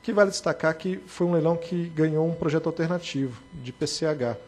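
Brazilian regulator reading a case report, measured, a touch husky, fairly high pitch. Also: male voice, steady tone, darkish tone. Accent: Brazilian Portuguese. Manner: measured and formal, with short spoken asides. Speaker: reporting director at a regulatory board.

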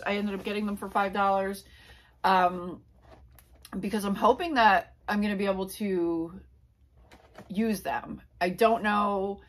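A woman's voice: mid-range voice, fairly bright tone. A woman in her forties chatting casually to camera about her flea market finds, rambling with lots of fillers and asides, in a small indoor room. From Pennsylvania, USA. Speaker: reseller vlogger. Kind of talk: casual haul chat to camera. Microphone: camera on a tripod at a few feet.

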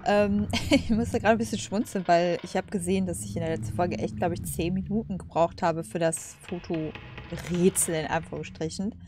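Woman doing casual lets play chat, lowish voice, thinking out loud, noticeable noise behind her. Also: steady tone, normal speed. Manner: chatty, musing aloud. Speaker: gaming host. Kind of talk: casual let's play commentary.

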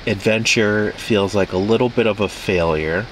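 A man in his thirties vlogs from inside his parked car at night, sounding low-key and a bit defeated, mocking himself as he goes. His voice sits on the low side. A faint hum of noise is there behind him. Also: moderate pace, rough recording. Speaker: vlogger. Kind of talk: casual solo vlog. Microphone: camera close by in the car.

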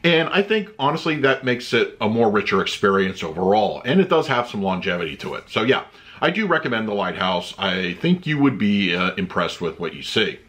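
A man's voice: lowish voice, fairly quick. Chatty man reviewing a movie disc. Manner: relaxed and chatty, with fillers, then reads a written review. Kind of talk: home video review. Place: home room with shelves of discs.

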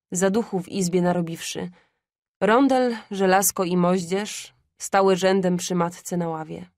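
A woman's voice: fairly low pitch, darkish tone, no echo. Woman reading a classic story, dry sound. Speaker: audiobook narrator. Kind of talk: audiobook narration of a classic story.

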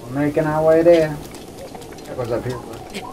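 A man's voice: on the high side, moderate pace, warm tone. A man giving casual let's-play commentary, rambling and muttering to himself as he plays. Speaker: gaming host. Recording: distant mic, clear background noise.

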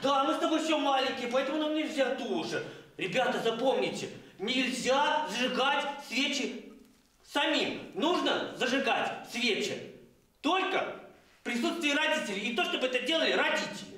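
Eager little kid clown, really high voice, kids tv, echoey and a bit far from mic. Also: male voice, lively intonation, moderate pace, sharp tone, heavily acted. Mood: earnest, instructive. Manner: agreeing eagerly, short repeated phrases. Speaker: children's show host. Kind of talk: clown performance for children. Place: indoor children's TV studio set. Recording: echoey studio, distant microphone.

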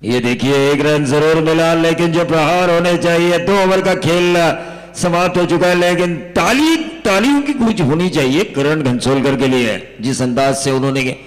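A man commentating on a cricket match, his voice sitting fairly high and pushing hard on his points with rhetorical questions. A long reverb trails behind every phrase, as if the feed runs through a large hall. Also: normal speed. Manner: rhetorical, emphatic, quotes film dialogue for flair. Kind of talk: live Hindi cricket commentary.

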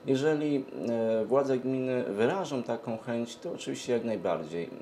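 A middle-aged man answers interview questions hesitantly, pausing often mid-sentence. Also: medium pitch, animated, warm tone, a little hiss or hum. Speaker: event organizer, interview guest. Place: TV studio, seated at a glass desk. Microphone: lapel mic.

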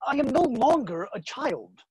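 A man's voice: very high voice, very animated, normal speed, darkish tone, low-quality recording. A man in his thirties acting a defiant younger brother in love, in a dramatic staged reading. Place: small dim room at home. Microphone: computer mic on video call.

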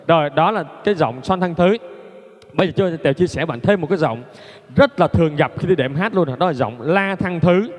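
Joking man teaching piano, echoey room. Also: fairly high pitch. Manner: chatty, joking, laughs at himself. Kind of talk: casual piano lesson with jokes. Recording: long reverb, loud piano music.

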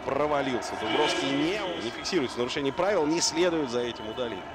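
A man calling ice hockey play-by-play as a partisan home-team commentator, moving between subdued and excited delivery. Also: medium pitch, fast talker. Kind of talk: live sports play-by-play commentary. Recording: loud arena noise behind the voice. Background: noisy hockey arena.

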